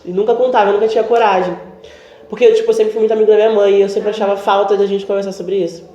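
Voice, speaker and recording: Young Brazilian man, podcast co-host, fast and lively, mellow tone; roomy, muffled home recording. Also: high voice. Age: young adult. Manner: animated, acts out quoted dialogue. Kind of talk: casual storytelling chat.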